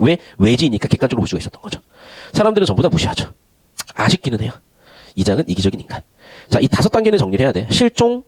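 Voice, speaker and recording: This Gyeongsang-born man gives an online lecture on Korean literature, chatting freely and switching between polite and casual forms. He speaks at a medium pitch with a darkish tone.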